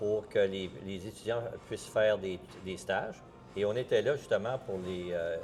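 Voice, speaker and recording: Over music in the background, a man with a fairly low pitch speaks at a very slow pace in a fairly even intonation. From Quebec (Granby, Eastern Townships). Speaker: magazine owner, former journalist and radio host. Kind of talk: interview.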